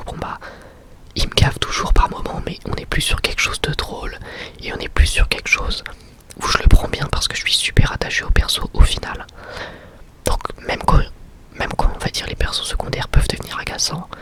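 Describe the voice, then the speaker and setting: A young adult man gives an informal, slangy ASMR review in a breathy, unvoiced whisper. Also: brisk. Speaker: ASMR creator and anime reviewer.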